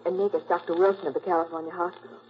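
A woman's voice: fairly low pitch, little pitch movement, very fast, close to an everyday voice. A woman playing a pert, capable detective's secretary in a 1940s radio drama, efficient and teasing. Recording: muffled, noisy old 1940s radio recording.

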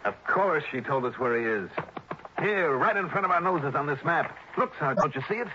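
An actor playing a tough, wry insurance investigator who talks brisk and insistent. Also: male voice, fairly high pitch, lively intonation, close to an everyday voice. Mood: determined. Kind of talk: 1960s radio drama acting. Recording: muffled old radio broadcast with hiss.

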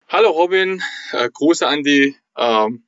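A young man from Iran, talking casually as a podcast guest in German, pausing often with fillers as he searches for words. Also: on the high side, animated, fairly bright tone, dry recording, lo-fi sound. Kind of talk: casual interview conversation.

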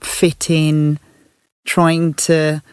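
A woman's voice: sits low, completely flat delivery, very slow, darkish tone, clean tone, dry recording, clean studio sound. A woman with a Birmingham accent, from the Midlands, telling her career story thoughtfully as a podcast guest, often laughing. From English Midlands. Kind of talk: candid reflective conversation.

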